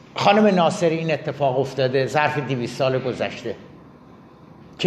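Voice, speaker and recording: Intonation is lively as a man speaks at a fairly slow pace. Audible room echo and noticeable background noise surround him. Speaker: history lecturer. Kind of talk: lecture.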